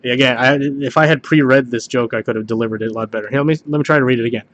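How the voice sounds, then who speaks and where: A man reads jokes aloud in a casual, homemade style. His voice sits at an average pitch, and he trips on the wording now and then, going back to reread a line. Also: very fast, fairly bright tone, muffled recording, slight background noise. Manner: stumbles over the text and rereads lines. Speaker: joke reader hosting a home video.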